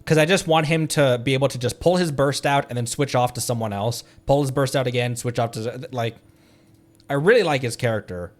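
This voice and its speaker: A man streaming a game from home, chatting casually, excitable and rambling, laughing often as he talks. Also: mid-range voice, brisk. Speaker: VTuber streamer. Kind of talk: casual gameplay chat.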